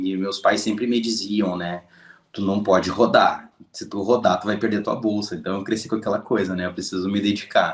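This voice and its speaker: A man with a southern Brazilian accent speaks fairly low at a moderate pace. His intonation is monotone and flat. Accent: gaúcho. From Rio Grande do Sul, Brazil (Santa Maria). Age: 30s. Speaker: civil servant, exam passer. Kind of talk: interview.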